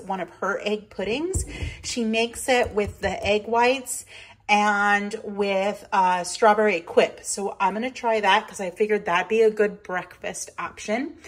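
A woman in her forties talks through a casual grocery haul vlog in her home kitchen. She is chatty and friendly, and drops frequent ums while handling items in front of a camera set on the counter. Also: medium pitch. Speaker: vlogger. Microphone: camera on counter, phone-style recording.

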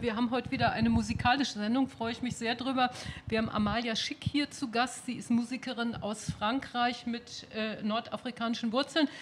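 A woman's voice: on the high side, background noise. A middle-aged woman hosting a live radio interview in a chatty, informal way. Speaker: radio show host. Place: small club stage. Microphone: handheld microphone.

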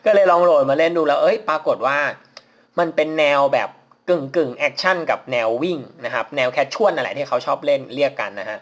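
Playing a mobile game, a man chats politely and casually, laughing whenever he slips up. His voice sits on the high side, fast and expressive, picked up by the phone mic he plays on.

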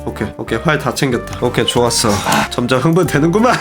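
A young man giving excited, playful gaming commentary, often shouting and laughing. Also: mid-range voice, fast talker, over music. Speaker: gaming YouTuber.

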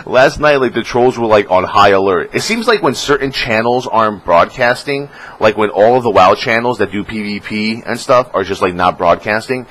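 A man's voice: animated, normal speed, fairly bright tone, a little hiss or hum, rough recording. A young man talking casually on his vlog as a streamer, rambling with lots of fillers and swearing. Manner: rambling, filler-heavy, swears and mocks trolls in squeaky voices.

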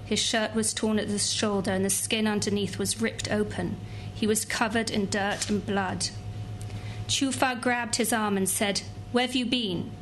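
A young woman, a translator, reading extracts from a novel aloud in a calm, even voice at a bookshop event. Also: mid-range voice, a little slow, a little hiss or hum, rough recording. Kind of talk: literary reading. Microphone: table mic.

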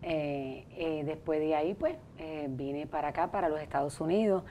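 A middle-aged woman from Puerto Rico with a Puerto Rican accent, a life coach speaking haltingly in a studio interview on a lapel mic. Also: low-pitched, mellow, a little hiss or hum. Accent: Puerto Rican Spanish. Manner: hesitant, many fillers and restarts.

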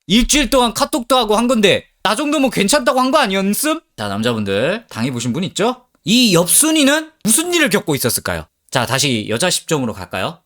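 A man's voice: high-pitched, fast, hardly any pauses. A man telling a comedic dating story, acting out both sides and swearing freely as he goes. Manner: animated, acts out both sides with crude slang. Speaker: storyteller host.

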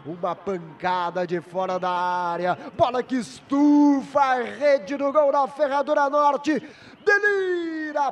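A man giving excited football play-by-play commentary with long, drawn-out goal yells. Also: extremely high pitch. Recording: distant broadcast sound with clear noise.

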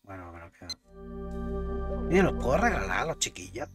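Guy rambling over a game, lowish voice, bit of music under. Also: sing-song, unhurried. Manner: chatty, swears, talks to himself. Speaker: gameplay commentator. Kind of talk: casual gameplay commentary.

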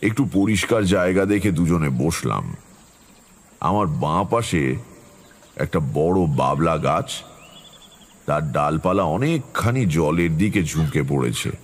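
An actor playing a brooding tantric storyteller, narrating an eerie village tale in a measured, dramatic way. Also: male voice, rumbling low, breathy edge, heavily acted. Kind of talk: dramatic first-person horror narration.

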